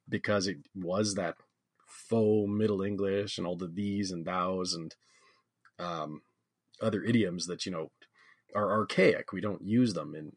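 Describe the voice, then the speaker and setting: A man with a low voice hosts a relaxed podcast chat. He meanders through his points with lots of fillers and hedging. The recording is dry, with no room sound. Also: husky, no room sound. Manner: rambling, filler-heavy, tentative delivery. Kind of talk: casual conversation.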